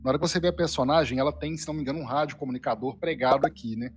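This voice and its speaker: A Brazilian man offers a casual critique as a guest reviewer. His mid-pitched voice moves through explanations a bit hesitantly, with faint music behind it. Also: racing. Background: faint background music.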